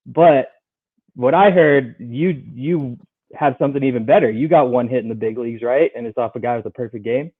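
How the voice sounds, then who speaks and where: A man's voice: medium pitch, a little fast, no echo. A man co-hosting a sports podcast, a former player joking about his own short career. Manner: jokey, humble-bragging storyteller. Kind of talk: casual podcast chat. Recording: phone-like dry line.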